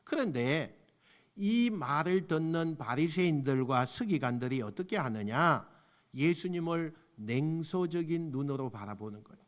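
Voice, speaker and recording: Male pastor, high-pitched voice, passionate sermon, soft asides to loud exhortation, church sanctuary. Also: lively intonation, unhurried. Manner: leads congregation in unison scripture reading.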